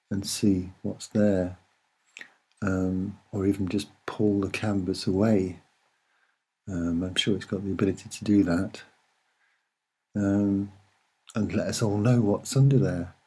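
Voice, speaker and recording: A soft-spoken man with a husky voice, giving a casual, musing and hesitant commentary as he explains what he sees. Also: lowish voice. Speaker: video narrator.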